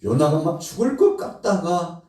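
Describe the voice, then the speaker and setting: A man preaching a sermon as a pastor, dramatic and animated, acting out the characters in the story, swinging between loud pleading and hushed asides. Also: fairly high pitch, moderate pace. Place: church sanctuary. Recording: very echoey hall, heard from a distance.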